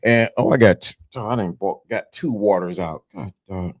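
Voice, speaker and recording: Here a fifties-aged man hosts a stream, his lowish voice moving at a normal pace. He delivers a repetitive, sermon-like pep talk aimed straight at his audience, hammering home his main ideas.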